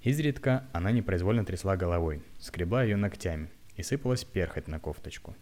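Guy reading a story out loud, lowish voice, steady, trips on a word now and then. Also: brisk. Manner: plain steady reading with occasional stumbles. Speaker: narrator.

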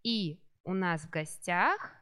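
Smooth-voiced woman hosting a podcast. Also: on the low side, lively intonation, slow pace. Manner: patient, encouraging, prompts answers with gentle follow-up questions. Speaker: host, hospital teacher. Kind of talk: podcast hosting, interviewing children. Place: children's rehabilitation centre.

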